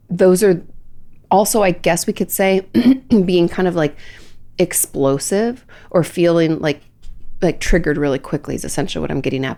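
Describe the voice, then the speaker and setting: A woman with a lowish, darkish voice, stuffy and nasal from a head cold, hosts a solo podcast. As a licensed therapist, she answers listener questions in a chatty way full of fillers and restarts.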